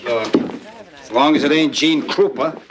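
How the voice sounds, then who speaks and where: A man's voice: a little high, measured pace, very noisy, natural voice. An actor playing a streetwise, wheedling sound effects man with a colloquial, salesman-like patter in a television drama. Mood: wheedling, defensive.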